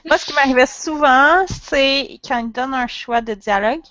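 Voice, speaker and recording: A woman speaks in a somewhat high voice, pausing and restarting as she talks. The audio has a slightly dull, muffled quality. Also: a bit bright, dry recording. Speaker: podcast guest. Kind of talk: casual chat.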